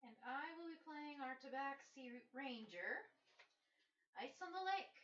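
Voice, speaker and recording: Quick teasing woman player, jumpy pitch, noisy echoey lo-fi audio. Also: animated, a bit bright. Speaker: tabletop game player. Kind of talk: casual banter while playing. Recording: echoey lo-fi room with clear noise.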